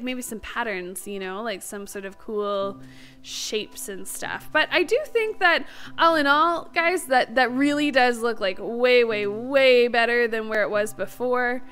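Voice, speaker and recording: A woman's voice: on the high side, unhurried, fairly bright tone, clean tone. A woman giving casual let's-play commentary as the host of a gaming series, chatty, bubbly and enthusiastic.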